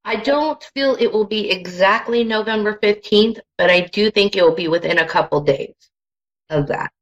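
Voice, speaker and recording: A woman's voice: medium pitch, normal speed, rough recording. A woman giving soothing advice as a psychic on a hotline-style radio show, addressing the caller with endearments.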